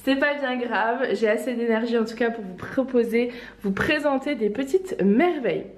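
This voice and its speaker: Speaking at a moderate pace in a roomy-sounding space, a woman with a slightly high voice and a mild cold chats casually while showing off outfits from her own online clothing shop. It's a relaxed try-on vlog, full of fillers, restarts, and light laughter.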